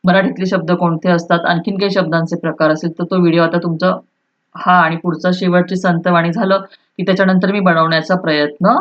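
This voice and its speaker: A woman with a lowish, flat, brisk voice, recorded with the high frequencies cut off, teaches a school Marathi lesson. She explains step by step, repeats key terms, asks whether students are following, and sometimes restates points in Hindi.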